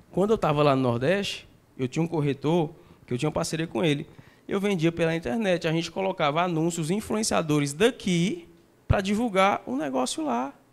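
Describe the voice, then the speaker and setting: The speaker is a man with a high pitch. He talks at a fairly quick pace. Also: ordinary pitch variation. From Brazil, Northeast. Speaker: co-speaker at business seminar. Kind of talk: live seminar talk. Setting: stage with live audience. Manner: joking. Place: hall. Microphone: handheld.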